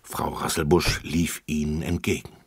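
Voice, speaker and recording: A man narrating a children's audiobook in a lively storytelling manner. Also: a bass voice, moderate pace, vocal fry, slightly rough, dry recording, studio quality.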